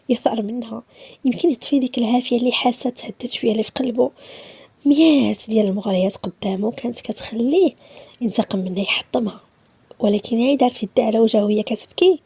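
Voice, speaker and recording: A woman's voice: a little high, gravelly, a little mellow, breathy edge, dry recording. A woman with a Moroccan accent narrating a dramatic story, dipping into whispers at tense moments.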